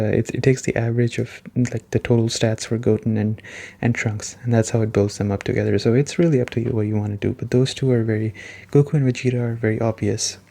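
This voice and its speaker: A soft-spoken man hosting a gaming review as a gentle, unhurried, casual ASMR chat. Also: medium pitch. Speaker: gaming reviewer and video host.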